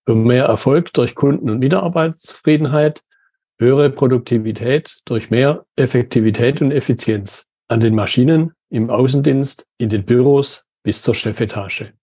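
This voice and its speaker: Male podcast host, measured delivery, husky timbre, dry close-mic sound. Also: medium pitch, mellow, no echo. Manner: measured scripted intro, then conversational questions. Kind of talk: podcast intro and interview.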